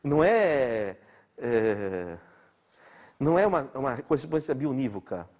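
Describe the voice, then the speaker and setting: Lively-pitched Brazilian doctor lecturing. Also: male voice, slow pace. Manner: chatty, laughs often, tag questions. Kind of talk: informal lecture with Q&A.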